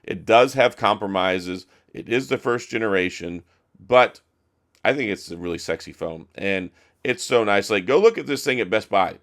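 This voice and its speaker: A middle-aged man talks straight to camera in a loose, opinionated way, often restarting his sentences. His voice is hoarse and worn from days of talking. It sits a little low. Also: animated, moderate pace. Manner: chatty, opinionated, frequent restarts. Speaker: tech reviewer. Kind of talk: casual talk to camera.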